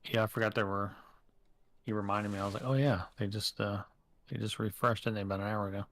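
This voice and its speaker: A man's voice: on the low side, fairly even intonation, fast, a bit bright. A man chatting casually with a friend during a game stream, easygoing and a little hesitant. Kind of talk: casual gaming chat. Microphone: desk microphone.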